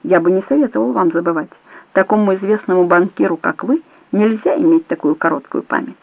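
A woman reading an audiobook plays a male intelligence agent who questions coldly and curtly in her own steady voice. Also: medium pitch, fairly quick, creaky, dry recording. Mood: cold interrogation. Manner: cold, curt and demanding. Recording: dry, tinny phone-like audio.

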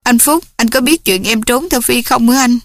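A woman's voice: fairly high pitch, normal speed, no room sound, clean studio sound, pitched above the performer's own voice, natural voice. A woman voicing a fragile young woman who pleads with her family. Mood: distraught. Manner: pleading, tearful.

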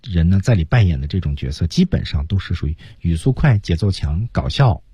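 A man teaching English on a radio lesson, explaining phrasing and linking of sounds in a husky voice. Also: sing-song, fairly quick, mellow, dry recording, studio quality. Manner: explains phrasing, then acts out film lines in a high voice. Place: radio studio.

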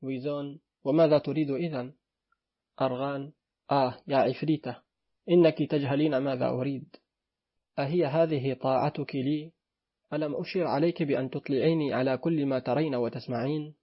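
A man voicing a hypochondriac old father who scolds his little daughter, with a husky voice. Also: mid-range voice, fairly even intonation, a little fast, lightly acted. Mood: stern. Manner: stern scolding, then loud wailing grief. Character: fussy hypochondriac old father, quick-tempered. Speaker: audiobook reader voicing a character. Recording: dull lo-fi recording.

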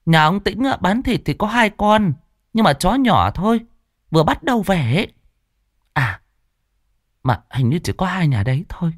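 A man putting on a high stammering village wife. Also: big pitch swings, moderate pace, pauses often, dry recording, clean studio sound. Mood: flustered. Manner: stammering, eager to help. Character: flustered middle-aged village wife.

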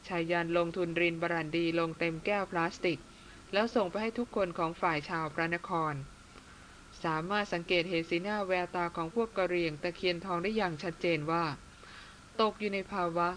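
A woman's voice: lowish voice, slight background noise. Woman narrating an adventure audiobook. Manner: steady, measured storytelling with read-out punctuation. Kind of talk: audiobook reading of an adventure novel.

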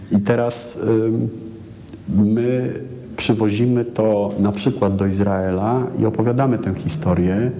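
Halting low-voiced man in long reverb. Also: mellow, slight background noise. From Poland. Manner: hesitant, halting, thoughtful delivery with repeated word starts. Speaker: musician, interview guest. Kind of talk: reflective interview talk. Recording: long reverb, clear music behind. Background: music.

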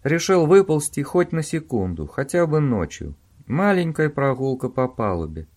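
A man's voice: mid-range voice, very animated, moderate pace, darkish tone, voice pushed up. A man voicing a frightened accomplice who pleads and swears he did nothing wrong. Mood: pleading. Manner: pleading, whining. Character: whiny, frightened male accomplice.

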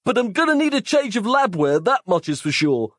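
A man voicing a hapless, lovestruck male doctor who yells eagerly in a raised voice. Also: high voice, sing-song, a little fast, no room sound, studio quality, pitched above the performer's own voice, heavily acted. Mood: bumbling. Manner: eager, bumbling, yelling.

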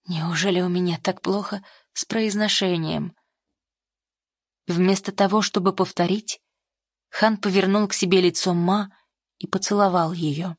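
A woman narrating an audiobook with an even, measured reading. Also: mid-range voice, no room sound, studio quality. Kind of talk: scripted narration of a novel.

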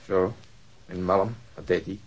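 A brutal detective from a radio drama. His voice sits fairly low, and he talks in a sneering, threatening way, with heavy sarcasm. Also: fairly even intonation, measured pace, rough recording. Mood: probing, sardonic. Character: brutal, bullying male police detective, menacing and sarcastic. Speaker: actor.

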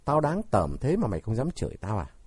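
A man reading a storybook who voices a bitter aging mother, pleading and shouting in rage. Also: medium pitch, huge pitch swings, a little fast, slightly rough, dry recording. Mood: furious. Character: bitter aging mother, tearful then furious.

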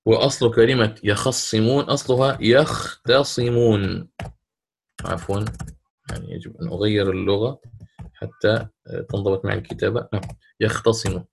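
A man teaching a Quran recitation lesson online. He explains step by step, checks understanding with questions, and recites verses slowly and drawn out. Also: on the low side, steady tone, creaky, breathy edge.

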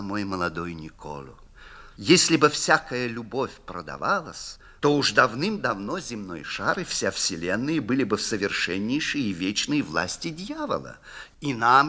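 A man voicing a sly, scheming male devil who poses as a lawyer, speaking in an insinuating manner that keeps dropping into hushed whispers, in a classic theatrical literary reading. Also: medium pitch, exaggerated voice.

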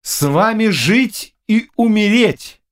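A man voicing an exhausted young hussar knight who answers in short, halting words. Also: medium pitch, lively intonation, darkish tone. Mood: proud. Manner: weak, halting, terse answers.

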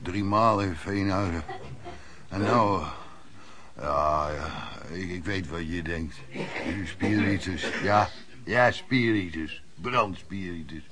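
An actor playing a boastful, down-and-out drunken flower peddler in a radio play, halting and slurred. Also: male voice, sits low, a crowd in the background. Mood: bitter, rambling. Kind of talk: Dutch radio play acting.

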